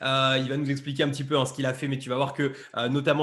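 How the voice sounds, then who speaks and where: A man speaks over noticeable background noise. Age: 30s. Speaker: real estate youtuber, interviewer. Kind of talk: interview. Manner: hesitant, many fillers.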